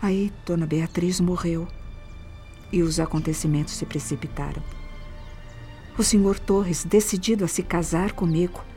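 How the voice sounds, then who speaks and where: An actress playing a vain, tormented young mistress confessing in a Brazilian radio drama, dramatic and breathy, with a Brazilian accent. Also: female voice, lowish voice, moderate pace, pauses often, warm tone, faint music behind, lightly acted. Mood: troubled confession.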